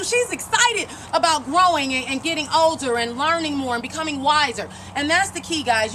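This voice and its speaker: A woman's voice: high voice, pushed and bright, a little hiss or hum. A woman coach interviewing and giving an emphatic, encouraging pep talk, repeating phrases for emphasis.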